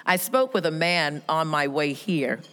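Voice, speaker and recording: A woman giving an emphatic motivational speech, telling stories with lively quoted voices. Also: sits low, unhurried. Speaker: speaker at a women's event. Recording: reverberant hall.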